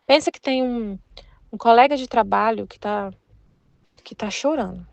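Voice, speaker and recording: Brazilian woman, earnest faith teacher, casual and repetitive; higher voice, dry sound. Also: moderate pace, vocal fry, darkish tone, no room sound. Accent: Brazilian Portuguese. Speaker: Catholic study leader.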